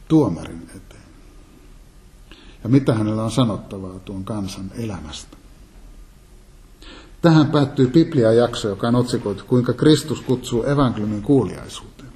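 A man giving a calm, measured Bible teaching sermon, reading and explaining scripture. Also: on the low side. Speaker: preacher.

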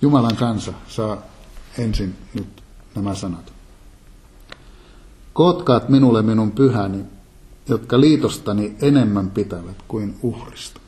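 A man giving a calm, measured Bible teaching sermon, reading and explaining scripture. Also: fairly low pitch. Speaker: preacher.

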